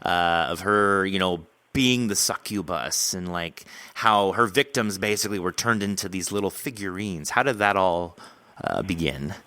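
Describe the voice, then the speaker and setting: A man hosting a casual podcast interview about fiction, animated and wordy as he works his way toward questions. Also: low-pitched, normal speed, slight background noise.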